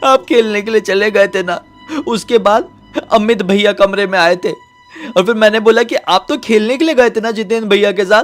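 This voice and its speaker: A man voicing a hurt, scared young boy who sobs as he pleads. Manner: sobbing, high and pleading.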